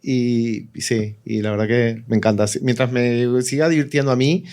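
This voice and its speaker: A man's voice: medium pitch, flat delivery, moderate pace, a little mellow. A man talking casually as a fiction writer in a panel discussion.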